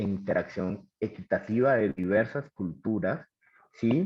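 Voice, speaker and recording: With a La Guajira accent, a man speaks at a fairly slow pace. His pitch is fairly low. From Colombia, La Guajira (Wayuu community, Maicao). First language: Wayuunaiki (speaking Spanish). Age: 40s. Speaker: dance artist and speaker. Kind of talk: lecture. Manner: hesitant, with fillers and repetitions.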